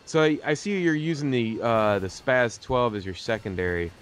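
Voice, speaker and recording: A man's voice: medium pitch, normal speed, slight background noise. A man hosting a gaming video in a casual, rambling interview style, using a lot of slang. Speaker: host of a gaming video series. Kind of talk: casual interview over game commentary.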